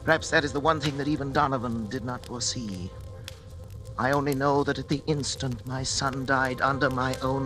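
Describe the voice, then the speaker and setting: In a vintage radio drama with a music bed, an actor with a mid-range voice plays a guilt-ridden scientist father, both doctor and narrator. His lightly acted 1940s-style performance moves from hushed, coaxing words to his son into grave, measured, solemn narration confessing his crime.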